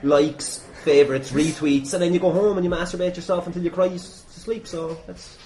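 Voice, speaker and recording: A man's voice: high-pitched, fairly even intonation, a little fast, mellow, slight background noise. A man hosting a casual comedy podcast interview, rambling and self-deprecating, often laughing through his words.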